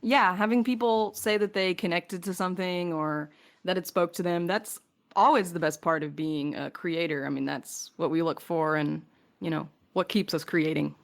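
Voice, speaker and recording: A woman's voice: lowish voice, moderate pace. A woman hosting a casual question-and-answer chat with her podcast crew. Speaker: podcast host, producer and voice actor.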